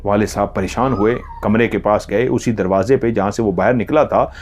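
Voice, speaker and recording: Man softly narrating a horror tale. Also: fairly low pitch, moderate pace, slight background noise. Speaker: storyteller.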